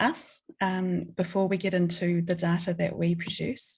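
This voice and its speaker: A woman speaks with a New Zealand accent. Her voice is somewhat breathy and her pace moderate. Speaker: workshop host, communications lead. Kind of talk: online workshop presentation.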